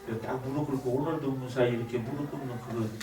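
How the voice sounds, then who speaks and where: A man's voice: medium pitch, brisk. A man telling his life story as a spoken church testimony, acting out what he said and felt back then. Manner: animated storytelling, acts out his own past outbursts. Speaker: evangelist giving testimony. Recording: echoey room, distant mic, noisy.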